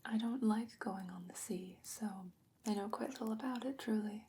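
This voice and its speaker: A woman's voice: a little high, slight background noise, lightly acted. Whispery, wise sorceress, acted by a woman. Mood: patient, explaining. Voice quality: breathy, whispery soft voice. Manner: measured, deliberate, gently chiding. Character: wise, composed female sorceress, old and gently stern. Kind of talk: soft-spoken ASMR fantasy roleplay.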